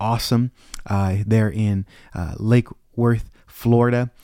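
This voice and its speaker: A man with an American accent talks in a normal speaking voice at medium pitch with ordinary pitch variation, recorded very cleanly against a silent background with a dry, close sound and no echo. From US Pacific Northwest (Tacoma, Washington). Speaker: pastor and podcast host. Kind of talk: podcast introduction and reflection. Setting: office recording.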